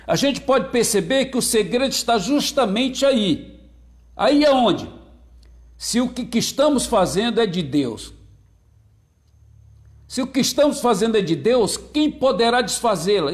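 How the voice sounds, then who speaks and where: A male pastor preaching a sermon, repeating key phrases and greeting viewers by name between points. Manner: slows and drops low on key phrases, repeats them.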